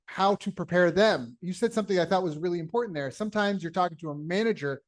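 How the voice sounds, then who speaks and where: A man's voice: high-pitched, quick pace. A man hosting a casual interview podcast, enthusiastically recapping and praising his guest's points. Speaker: podcast host.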